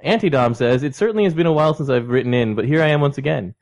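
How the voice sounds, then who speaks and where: A man's voice: mid-range voice, expressive, racing, creaky, a little mellow, dull audio. Laughing man in his thirties reading listener mail. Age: 30s. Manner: laughs often, reads letters aloud. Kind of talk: casual podcast chat.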